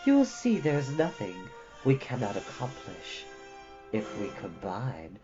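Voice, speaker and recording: A narrator voicing a scheming sorceress who feigns humility in a slow, hushed, ingratiating manner. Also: mid-range voice, wildly swooping pitch, highs cut off, music in the background. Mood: silky, submissive. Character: scheming sorceress feigning humble, silky submission.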